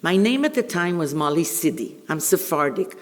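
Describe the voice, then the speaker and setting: An older woman from Israel, born in Bulgaria, with an Israeli accent, telling humorous personal stories to an audience in a theatrical, wry way with deliberate pauses. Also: on the low side, lively intonation. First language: Ladino. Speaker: public speaker, veteran journalist. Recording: reverberant hall.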